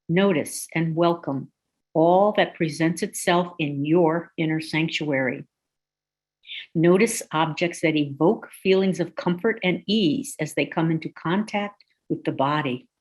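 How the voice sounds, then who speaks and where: A woman guiding a relaxation meditation in a slow, soothing, gently instructive way. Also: low-pitched. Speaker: meditation guide.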